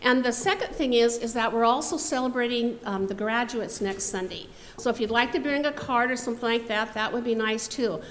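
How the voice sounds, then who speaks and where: A woman who teaches, making a church announcement in her loud teaching voice. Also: fairly high pitch, a little fast, few pauses. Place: church sanctuary. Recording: reverberant church hall, faint noise.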